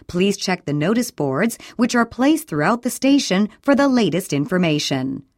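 A woman reading a scripted train station announcement in a measured, formal way with careful enunciation. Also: medium pitch, very animated, darkish tone, no room sound, clean studio sound. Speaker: recorded station announcer for listening practice.

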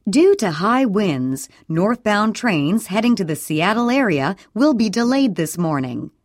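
A woman reading a scripted train station announcement in a measured, formal way with careful enunciation. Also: lowish voice, dry recording, studio quality. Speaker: recorded station announcer for listening practice.

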